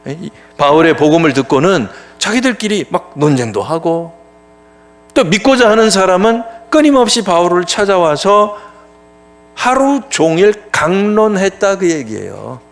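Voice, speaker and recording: A male pastor preaches in a church with a fairly high voice. His pitch rises and falls a great deal as he talks. He keeps the sermon conversational and answers his own rhetorical questions.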